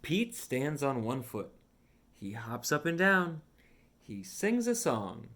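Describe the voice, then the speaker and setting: A man reading a children's picture book aloud as a storyteller, with simple, deliberate phrasing. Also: medium pitch, very animated, fairly bright tone. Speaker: read-along storyteller.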